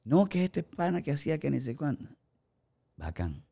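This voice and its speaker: A man in his forties with an Ecuadorian accent, a guest actor telling animated stories in a podcast studio on a boom mic. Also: moderate pace, creaky. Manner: animated storyteller acting out quoted remarks. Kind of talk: casual podcast storytelling. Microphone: studio mic on boom arm, headphones.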